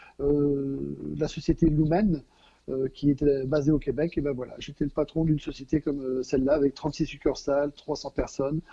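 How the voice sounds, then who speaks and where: The delivery comes at a moderate pace. The intonation is monotone and flat. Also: man, fairly high pitch for a man. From France. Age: 50s. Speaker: guest innkeeper, former company president. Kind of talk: interview.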